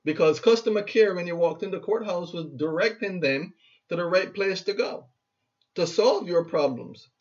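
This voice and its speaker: A Barbadian man in his fifties speaks in a fairly high register, giving an earnest, exhorting motivational talk. He often circles back and repeats words for emphasis. The recording is muffled and lo-fi. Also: moderate pace. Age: 50s. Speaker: motivational speaker and radio host.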